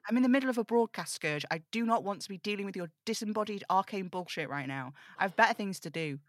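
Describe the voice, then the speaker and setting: A burdened, defiant young broadcaster played by a woman in an audio drama read. The voice sits at a middling pitch, snappish and exasperated with a sarcastic edge. The recording is dry and close. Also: expressive, fast talker, no echo, lightly acted. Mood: irritated, defiant. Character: defiant, burdened young male radio broadcaster with magical powers.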